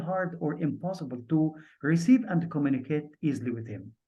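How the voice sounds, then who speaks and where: With an Egyptian accent, a man speaks in a somewhat breathy, fairly high voice with lively intonation and audible room echo. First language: Arabic. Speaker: English teacher. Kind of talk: lecture.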